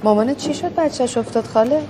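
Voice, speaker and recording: A woman playing a gentle coaxing schoolteacher. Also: on the high side, natural voice. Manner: soft, coaxing questions. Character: gentle schoolteacher questioning a young girl. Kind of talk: film drama acting. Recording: film audio with noise.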